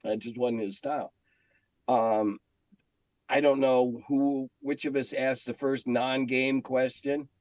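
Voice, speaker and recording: An older American man telling stories casually in an interview, candid and halting, often clearing his throat. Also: medium pitch, fairly even intonation, a little mellow, no room sound. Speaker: interview guest, game industry veteran. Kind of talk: casual reminiscing conversation.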